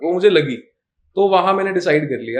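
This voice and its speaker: A man with a slight Punjabi accent speaks in an animated tone. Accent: Punjabi touch in Hindi. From Punjab, India (Patiala). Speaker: patient giving testimonial, actor and comedy video maker. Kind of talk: interview testimonial. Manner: casual, animated.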